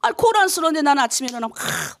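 A middle-aged woman pastor from North Korea delivers a dawn prayer sermon. Her voice sits high and has a gravelly, creaky texture. She exhorts the congregation in an animated way, full of rhetorical questions. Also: fairly quick.

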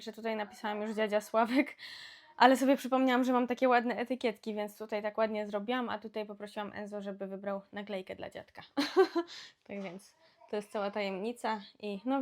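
Young woman from Poland, family vlogger, slightly high voice, chatty running commentary at home. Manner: chatty, talks through what she is doing. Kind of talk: casual vlog chat to camera.

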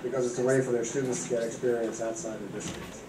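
Flat-voiced man in his fifties explaining. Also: medium pitch, a little fast. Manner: steady, explanatory, with "you know" fillers. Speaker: guest lecturer. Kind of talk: explanatory talk. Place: university seminar room. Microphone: handheld mic. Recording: echoey room from a distance, clear background noise.

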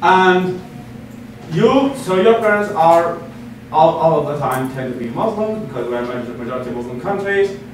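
Standing at a podium in a meeting room before a seated audience, a guest speaker from Iraq in his 20s gives a public lecture in a slightly high voice at a moderate pace. He's earnest, with frequent restarts and fillers. Recorded through a podium mic from a far camera, he sounds distant amid heavy room echo and a constant hiss of noise.

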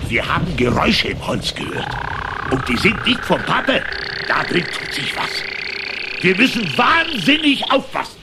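An actor playing a bossy, suspicious animal leader in an animated film radio play, declaiming to the others. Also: male voice, high-pitched, unhurried, very noisy, heavily acted. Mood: wary. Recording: loud music under the voice.

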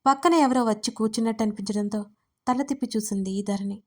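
A woman narrates her own storybook in a steady, even way. Her voice sits somewhat high. She reads the lines clearly as writer and narrator. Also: fairly quick.

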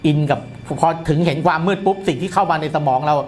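High-pitched, fast-talking middle-aged man. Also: a little hiss or hum. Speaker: guest commentator on a horror show. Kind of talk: casual explanatory studio chat. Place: indoor studio, seated at a desk.

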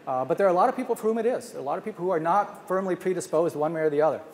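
A man's voice: fairly high pitch, racing. Older man lecturing in a ballroom. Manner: earnest, thinking aloud with many restarts. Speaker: speaker presenting research. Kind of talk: academic conference talk. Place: large hotel ballroom, at a podium. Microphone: podium microphone. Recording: long hall reverb, faint noise.

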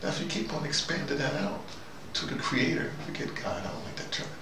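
Here an older man's voice is fairly high and very animated, moving a little fast as he delivers a digressive opinion monologue to camera in video-diary style. He keeps musing and questioning himself along the way. Background noise is heavy, and the distant mic makes the room sound large.

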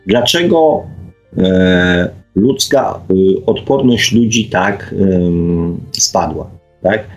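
Soft music backs a middle-aged Polish man with a deep voice who sounds animated and draws out his words. Hosting an unscripted radio monologue, he reflects and reads listener comments in a hesitant way, regularly ending phrases with a questioning tag.

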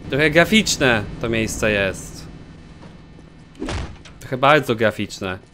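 A man giving excitable let's play commentary, swearing often as he plays. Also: medium pitch, extremely slow, slight background noise. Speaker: gaming commentator.

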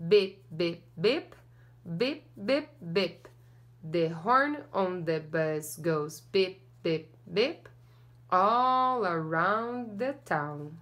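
A woman's voice: on the low side, animated, very slow, fairly bright tone. A young woman teacher reading a picture book aloud to children and singing along, cheerful and sing-song, recorded in front of a camera in a small classroom corner.

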